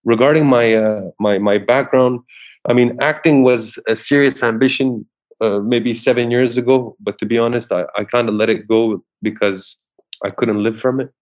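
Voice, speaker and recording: This Syrian actor's interview voice is mid-range, steady and a little mellow, moving at a moderate pace. He keeps hesitating and starting over, and the audio sounds muffled and lo-fi.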